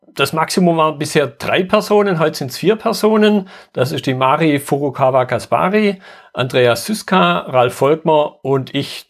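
A man hosting a podcast, reading a scripted intro and then moderating a group discussion in a brisk, organized way. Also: a little high. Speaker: podcast host.

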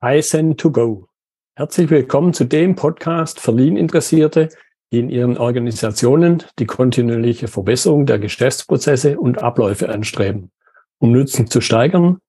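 Husky, dry-sounding male podcast host. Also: medium pitch, warm tone, no room sound. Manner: measured scripted intro, then conversational questions. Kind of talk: podcast intro and interview.

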